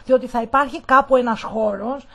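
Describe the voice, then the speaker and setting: A woman's voice: a little high, fairly even intonation, fairly bright tone. An older woman taking part as a guest in a radio studio discussion, heartfelt and reminiscing.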